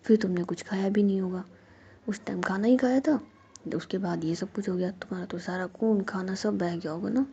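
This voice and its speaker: A woman voicing Ruhi, a caring young woman who scolds her injured partner, with a mellow, gravelly voice on a dull lo-fi recording. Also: medium pitch, fairly quick. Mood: scolding. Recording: dull lo-fi recording with faint noise.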